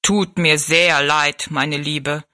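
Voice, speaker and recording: Storybook fairground giant, male, courteous and stately, slow formal delivery, performed by a woman. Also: sits low, steady tone, sharp tone, dry recording, clean studio sound, voice pushed down, exaggerated voice. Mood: dignified, courteous. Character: dignified, courteous, slow-spoken giant man of a fairground show. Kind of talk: storybook narration.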